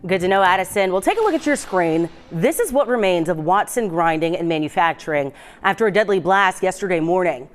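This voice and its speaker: A woman's voice: on the low side, expressive, brisk, faint music behind. American woman anchoring morning TV news. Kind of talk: scripted broadcast news reading. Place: television news studio.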